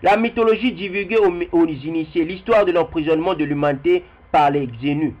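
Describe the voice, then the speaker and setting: A man's voice: a little high, a little fast, a little mellow. A young man speaking straight to his viewers in a rambling video commentary, repeating himself as he goes. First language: Kikongo heritage language. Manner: rambling, repeats words, addresses viewers directly. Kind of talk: spoken video commentary with readings. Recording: dull lo-fi recording.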